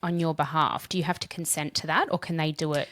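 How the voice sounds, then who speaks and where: A woman's voice: sits low, fast talker, no room sound. An Australian woman co-hosting a casual true-crime podcast, asking questions and recounting events chattily. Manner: chatty and questioning, storytelling in a relaxed way. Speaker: podcast co-host.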